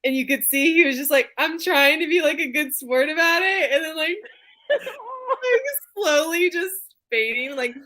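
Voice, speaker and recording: A woman co-hosting a casual live show, telling anecdotes in an animated way and acting out the dialogue. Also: high-pitched, measured pace. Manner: animated storyteller, acts out quoted dialogue. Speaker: co-host of a book readalong live show.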